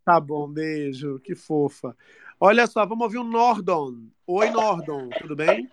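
A man's voice: fairly high pitch, lively intonation, measured pace, noisy background. A man hosting a live call-in talk show, chatting playfully and teasing his callers with affection. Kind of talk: casual live call-in chat.

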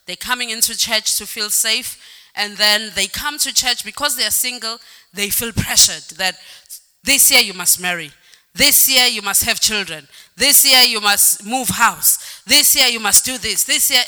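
A woman's voice: a little high, bright, forceful tone. A woman preaching a sermon in a church hall, stressing points by repeating words and calling out "Amen". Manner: sings some phrases, varies pace. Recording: reverberant hall with faint music.

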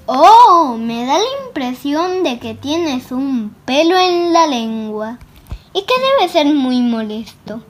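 A man's voice: very high-pitched, sing-song, takes it slowly, a bit bright, faint music behind, exaggerated voice. A man voicing a clever little white male rabbit who speaks in a coaxing, bossy way.

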